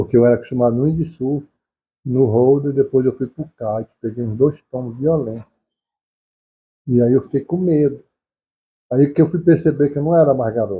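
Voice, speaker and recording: Somewhat breathy, a man with a dark, mellow tone speaks at a medium pitch and moderate pace. His pitch variation is ordinary, and his pauses are long and frequent. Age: 60s. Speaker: dairy farmer. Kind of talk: interview, casual storytelling. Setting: on a farm.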